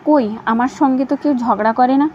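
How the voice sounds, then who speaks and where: A woman voicing a teasing, quick-tongued young wife, in a slightly dull recording with faint hiss. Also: high-pitched, natural voice. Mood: pert. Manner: pert, lively retorts.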